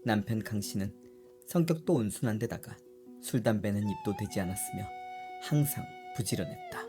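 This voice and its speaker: A woman narrates an old folk tale in a calm, measured way. Her voice sits low yet moves expressively. Clear music plays behind her. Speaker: storyteller.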